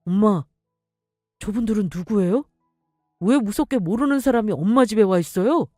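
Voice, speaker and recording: A woman's voice: mid-range voice, animated, moderate pace, mellow, no room sound, clean studio sound, faint music behind, lightly acted. A woman voicing a whiny, greedy grown son who protests and pleads in a dramatic story reading. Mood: indignant. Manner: whining and pleading.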